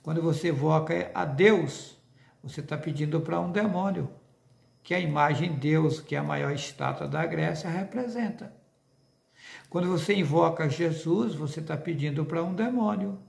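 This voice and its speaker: A man's voice: fairly high pitch, moderate pace, creaky, darkish tone, roomy sound. A man with a Brazilian accent preaching an insistent religious monologue to viewers, full of rhetorical questions.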